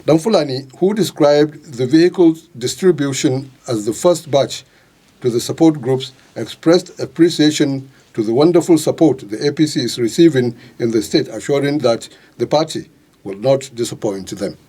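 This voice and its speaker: A man's voice: medium pitch, moderate pace, dark tone, slightly rough. A man with a Nigerian accent gives a formal, scripted news report as a voice-over. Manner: formal reading.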